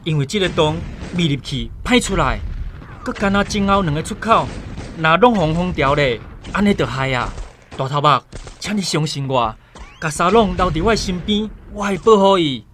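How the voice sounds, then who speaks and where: A man's voice: fairly high pitch, expressive, moderate pace, a bit bright, soft background music. A man playing a brave, protective young tribal man, earnest and emphatic in a radio drama, with a Taiwanese accent. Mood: earnest, pleading.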